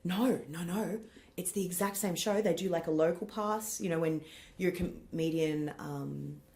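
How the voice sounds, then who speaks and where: A woman with an Australian accent, in her thirties, talking in a rambling, easygoing way. Her voice sits a little low, and she breaks into laughter often as she chats as a guest. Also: normal speed, warm tone. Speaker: comedian guest. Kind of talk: casual interview chat.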